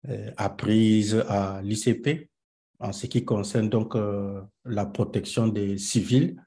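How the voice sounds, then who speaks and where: A young man from Cameroon answers questions in an online interview, pausing often and hunting for words. His voice sits low and sounds dark and mellow. He speaks at an unhurried, deliberate pace. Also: steady tone. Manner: slow, hesitant, many filler pauses. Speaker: guest, peace researcher. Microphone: video call.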